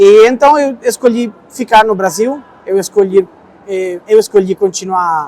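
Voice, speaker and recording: A man talks with an Italian accent. His pitch is high. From Italy, Pescara (Abruzzo). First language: Italian (speaking Portuguese). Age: 30s. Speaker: Italian teacher, immigrant interviewee. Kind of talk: interview.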